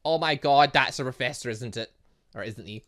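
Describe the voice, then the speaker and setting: An excitable, rambling gaming host giving let's play commentary, reading game text aloud and breaking off to exclaim. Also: medium pitch, moderate pace.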